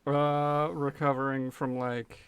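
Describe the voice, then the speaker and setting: A man's voice: mid-range voice, level tone, slow, smooth, dry recording. A man playing a tabletop game, chatting casually and wryly as he talks through his character's thinking. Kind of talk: casual, joking game chat.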